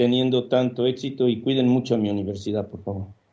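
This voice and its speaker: Using a plain, everyday voice, a man speaks at medium pitch with ordinary pitch variation. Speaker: physician and researcher. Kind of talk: interview.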